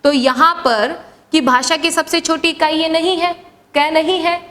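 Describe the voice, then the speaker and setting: A woman with a high-pitched voice teaches a class lesson. She explains patiently and repeats each idea. She keeps asking her students questions and then answers them herself. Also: steady tone, moderate pace, fairly bright tone.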